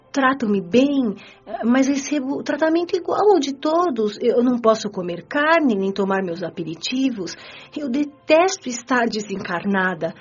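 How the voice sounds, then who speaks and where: Whiny, tearful Brazilian spirit woman, high-voiced. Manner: whiny, lamenting, self-pitying. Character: tearful, discontented woman spirit in an afterlife colony. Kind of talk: Brazilian audio drama acting. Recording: dull lo-fi audio, music behind.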